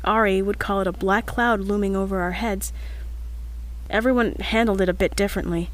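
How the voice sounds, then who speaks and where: A woman's voice: mid-range voice, fairly even intonation, a little fast, lightly acted, poor audio. A woman playing an earnest, determined young scientist in an audio drama, speaking in a reflective, slightly hesitant confessional log. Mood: somber, reflective.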